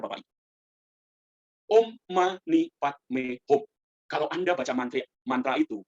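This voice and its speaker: A middle-aged man giving a live Buddhist sermon, lively and joking, speaking straight to his listeners. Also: sits high. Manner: lively, joking, addresses audience directly. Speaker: Buddhist preacher. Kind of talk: live dharma talk. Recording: dull lo-fi livestream audio.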